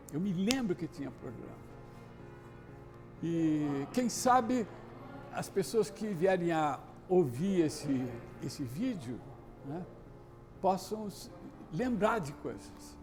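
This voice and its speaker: A man recalling old memories in an unhurried testimony, often adding "né". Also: fairly high pitch. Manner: nostalgic, unhurried, with many "né" tags. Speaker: interviewee sharing memories. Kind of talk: reminiscing testimony. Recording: piano music underneath.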